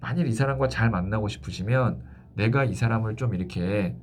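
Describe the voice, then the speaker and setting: A man speaking as a tarot fortune teller, explaining a love reading to a client with thoughtful pauses. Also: lowish voice, a little hiss or hum.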